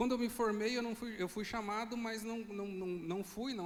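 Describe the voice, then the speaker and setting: Speaking with a Mato Grosso accent, a man moves at a fairly quick pace with ordinary pitch variation. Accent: caipira accent from Mato Grosso. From Cuiabá, Mato Grosso, Brazil. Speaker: entrepreneur and speaker. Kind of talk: talk at a business fair in a church. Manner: fast.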